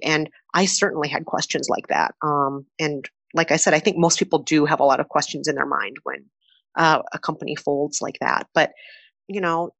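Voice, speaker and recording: Woman, thirties, Minnesota accent, low gravelly voice, chatty and animated. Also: no echo. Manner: chatty, animated, laughs often, many fillers. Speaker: podcast host, interviewee. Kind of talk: conversational interview.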